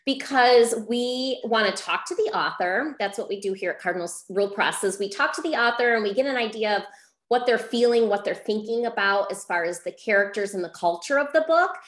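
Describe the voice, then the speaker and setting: Lively woman host in an echoey room. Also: on the high side, brisk. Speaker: host, book publisher. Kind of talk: moderating a question-and-answer session for children. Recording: roomy echo on a video call.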